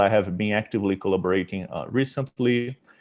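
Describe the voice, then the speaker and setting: Speaking at a fairly quick pace, a man with a strong Brazilian accent uses a fairly low pitch and fairly even intonation. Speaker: physicist giving a colloquium talk. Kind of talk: academic lecture. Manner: hesitant, many fillers and repeated words.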